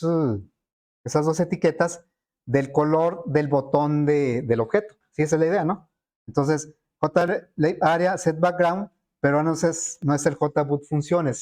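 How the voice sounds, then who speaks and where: Man teaching coding, slightly high voice. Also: darkish tone. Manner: thinks aloud with frequent fillers and checks with students. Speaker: programming teacher. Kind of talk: screen-recorded coding lesson.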